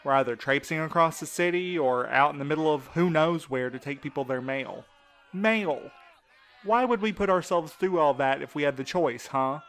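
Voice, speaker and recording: A man's voice: on the high side, moderate pace, a bit bright. A man playing a wary, protective courier in an audio drama, speaking casually with a sardonic edge. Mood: exasperated.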